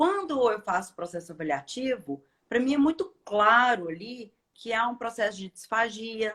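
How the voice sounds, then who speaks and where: Bright and sharp in tone, a woman's fairly high voice moves through very wide pitch swings at a moderate pace. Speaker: speech therapist. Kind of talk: live stream conversation.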